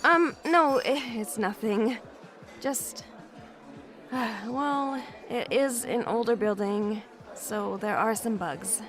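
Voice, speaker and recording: A woman's voice: fairly high pitch, slow pace, faint music behind. An actress playing an overworked, contented homebody in her twenties, speaking in a hesitant, understated way in a naturalistic audio drama. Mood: hesitant, downplaying. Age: 20s. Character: twenty-six-year-old overworked woman, homebody, contented and cautious.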